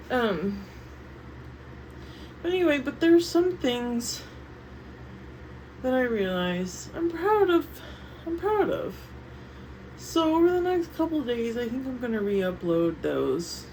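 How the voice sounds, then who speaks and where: A woman's voice: mid-range voice, vocal fry, a little mellow, a little hiss or hum, poor audio. A woman vlogging in a casual, rambling, self-interrupting way, her speech slightly slurred and lisping from wearing retainers while she is medicated on painkillers. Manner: scattered, loose, self-interrupting, drifting between thoughts. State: medicated on painkillers after surgery. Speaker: YouTube vlogger. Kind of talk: casual rambling chat to camera.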